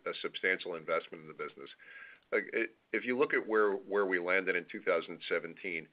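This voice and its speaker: A man speaking as a finance executive on an earnings call, choosing careful corporate phrasing. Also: sits low. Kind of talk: explaining guidance on an earnings call. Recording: dull conference phone line.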